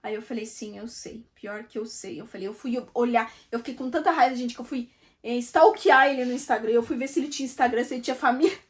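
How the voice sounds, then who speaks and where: A woman's voice: fairly high pitch, fast talker. A woman giving an emotional personal faith testimony, chatting directly to her viewers.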